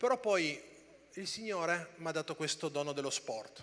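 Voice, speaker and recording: A man speaks with ordinary pitch variation. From Trieste, northeastern Italy. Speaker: former pro basketball player, church speaker. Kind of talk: testimony. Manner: casual, conversational.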